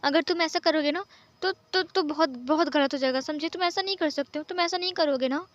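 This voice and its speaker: A woman voicing a hot-headed, childish young man who stammers in quick outbursts, in a storybook recap. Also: sits high, steady tone, fairly bright tone, highs cut off. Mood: panicky.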